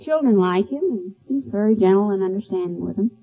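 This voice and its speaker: A woman's voice: mid-range voice, expressive, fairly quick. A young woman giving brief answers as a contestant interviewed on a radio quiz show. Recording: tinny vintage radio recording, faint music.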